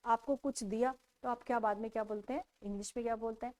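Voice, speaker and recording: A woman teaching a children's textbook lesson, repeating each question and answer slowly for young pupils. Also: a little high, steady tone, a little mellow.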